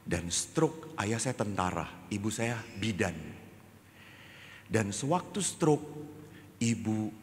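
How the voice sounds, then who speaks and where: A male Catholic priest giving a sermon as a storytelling preacher who swings from hushed asides to loud, raised lines. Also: lowish voice, in a large hall, slight background noise. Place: large hall.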